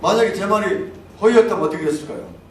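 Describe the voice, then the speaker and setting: A man's voice: high-pitched, fast. An older man leading a civic group, giving an insistent speech that climbs into indignant outbursts. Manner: insistent, rising to shouted indignation. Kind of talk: speech to an audience. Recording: echoey, distant room mic with faint noise.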